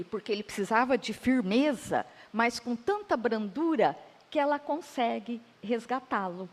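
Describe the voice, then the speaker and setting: A woman with a Brazilian Portuguese accent speaks in a reflective, affirming way during a conversational spiritist talk. Her voice sits somewhat high, and a long hall reverb trails behind her words. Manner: reflective, affirming, retells edifying stories. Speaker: spiritist lecturer.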